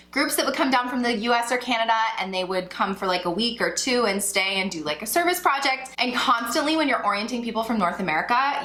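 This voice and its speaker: A woman's voice: medium pitch, pushed and bright. A woman in her thirties who grew up in Ecuador, a birth coach explaining her motto in a chatty, upbeat vlog. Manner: chatty and upbeat, many likes and slashes. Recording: echoey room.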